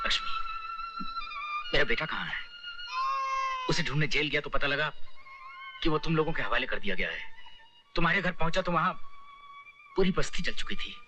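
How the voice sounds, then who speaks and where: A man's voice: on the high side, huge pitch swings, normal speed, long pauses, over music. An actor playing a desperate father searching for his son in a 1990s Hindi melodrama, in an emotional, pleading way. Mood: anguished.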